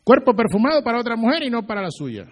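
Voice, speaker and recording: A male pastor giving a lively sermon, acting out little scenes as he preaches. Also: very high-pitched, quick pace, long reverb tail.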